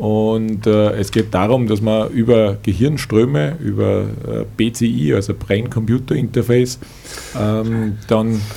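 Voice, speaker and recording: A man speaks at a medium pitch, his tone dark and mellow. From Upper Austria. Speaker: assistive technology specialist. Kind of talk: radio interview. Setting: radio studio. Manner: hesitant with frequent fillers.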